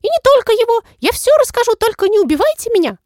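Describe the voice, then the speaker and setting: A woman voicing a tiny, very old female moth familiar who is timid and chatty, with a squeaky, piping voice. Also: big pitch swings, fast talker, darkish tone, dry recording, clean studio sound. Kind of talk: audiobook character voice.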